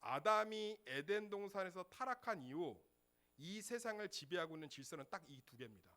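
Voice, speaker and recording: Animated middle-aged man preaching. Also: high voice, a little fast. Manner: conversational preaching with rhetorical questions; leads congregation in call-and-repeat. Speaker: pastor. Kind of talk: sermon.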